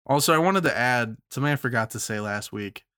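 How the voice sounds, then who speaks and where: A man co-hosting a casual podcast, playful and self-mocking, his voice hoarse from a sore throat. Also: mid-range voice, lively intonation, fast, sharp tone, no echo. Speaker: podcast co-host. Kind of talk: casual chat.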